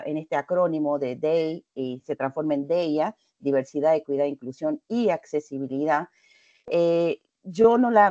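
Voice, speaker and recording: Argentine woman, middle-aged, measured webinar lecturer with frequent hesitations; lowish voice, dry dull call audio. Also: darkish tone, dry recording. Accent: Argentine Spanish with some Portuguese mixing. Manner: measured, many hesitations and restarts. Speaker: invited lecturer. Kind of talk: webinar presentation. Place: home office with bookshelf.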